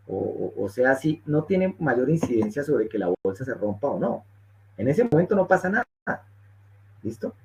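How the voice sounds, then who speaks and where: A male engineering instructor giving a technical webinar lecture, explaining step by step and checking in often with his listeners. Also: a little high. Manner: explanatory, checks in with frequent "¿listo?". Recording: muffled lo-fi webinar audio.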